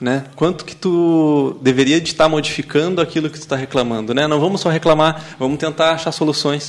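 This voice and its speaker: A man's voice comes through noticeable background noise, holding fairly even intonation and a moderate pace. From Pelotas, southern Brazil. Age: 20s. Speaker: startup co-founder. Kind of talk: radio interview.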